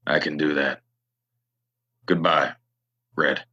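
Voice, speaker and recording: An actor playing a reserved, weary, honorable drifter in a Western audio play, halting and solemn, on a dull recording. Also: male voice, rumbling low, fairly even intonation, bright, forceful tone, husky, exaggerated voice. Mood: fond, solemn.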